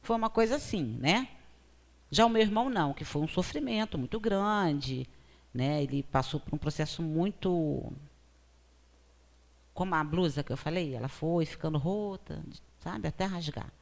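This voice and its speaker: A woman's voice: lowish voice, expressive, normal speed, creaky. Earnest Brazilian woman giving a spiritual talk. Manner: earnest, often tags 'né?' to engage listeners. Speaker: spiritist public lecturer. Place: lecture hall of a spiritist center.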